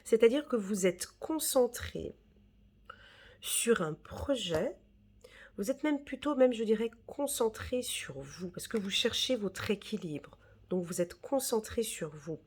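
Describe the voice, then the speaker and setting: A woman's voice: on the high side, expressive, unhurried, breathy edge. A woman giving a casual, reassuring tarot reading, full of fillers and "d'accord?" checks. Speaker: tarot reader.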